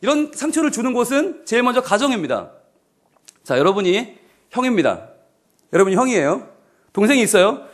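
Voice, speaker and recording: A male pastor giving a sermon at a midweek church service, animated and humorous, often asking the congregation questions. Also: high voice, a little fast, long pauses.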